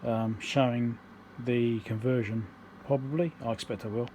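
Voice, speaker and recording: Mellow-voiced man explaining electronics repair casually. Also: mid-range voice, fairly even intonation, normal speed, a little hiss or hum. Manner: rambling, matter-of-fact, thinking aloud.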